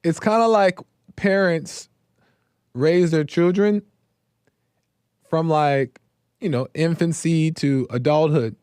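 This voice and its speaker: A man hosting a live faith talk show, speaking in a slow, reflective way with many pauses and repeated phrases while his voice is going hoarse. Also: on the high side, a little mellow, no room sound, clean studio sound. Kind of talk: casual devotional talk.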